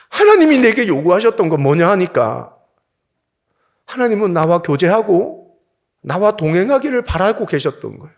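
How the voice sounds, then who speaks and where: A man's voice: high voice, vocal fry. A middle-aged man from South Korea, a pastor preaching a sermon and telling a personal story with strong emotion.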